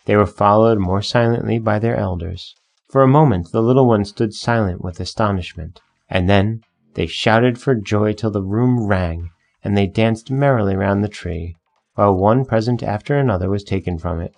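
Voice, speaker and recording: A man narrating a fairy tale in a measured, gentle storytelling manner. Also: lowish voice, gravelly.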